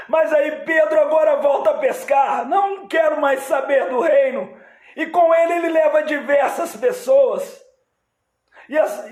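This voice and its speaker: A man with a Brazilian Portuguese accent preaching a live church sermon, fervent and often shouting, acting out quoted dialogue. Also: very high-pitched, roomy sound. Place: church hall.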